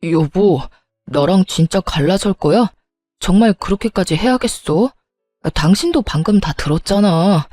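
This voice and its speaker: A woman's voice: lowish voice, expressive, measured pace, dark tone, dry recording, clean studio sound, faint music behind. A woman voicing a pleading young husband who begs in a desperate, whiny way. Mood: begging. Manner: begging, whiny.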